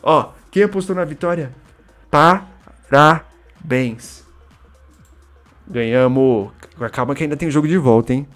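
Fairly quick and barely pausing, a young Brazilian-accented streamer rattles off slangy game commentary, talks with viewers, and bursts into shouting. His voice is a little high, and faint music plays behind him.

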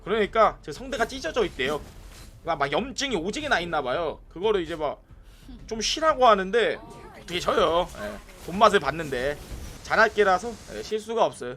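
Young male game streamer with a high, lively, swooping delivery. Excitable, breaks into shouts at teammates, and chats with viewers between plays. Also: a little fast. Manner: excitable, yelling bursts at teammates, chatting to viewers. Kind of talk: live gameplay commentary.

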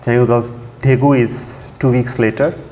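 Standing at a podium in a big dark auditorium, an Urdu-speaking conference speaker delivers a technical talk in a relaxed way, with many fillers and restarts. He speaks at normal speed in a mid-range voice. The hall adds long reverb and faint ambience, plus a little hiss or hum.

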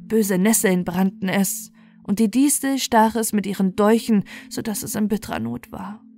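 A woman's voice: mid-range voice, fairly even intonation, normal speed, gravelly, darkish tone, soft background music. A woman reading a scripted bedtime fairy tale as its narrator.

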